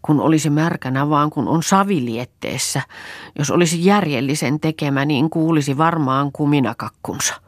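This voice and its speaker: A woman's voice: rumbling low, no room sound, studio quality. A woman voicing a fretful, grumbling young countrywoman who wails and mutters complaints, in a storybook reading.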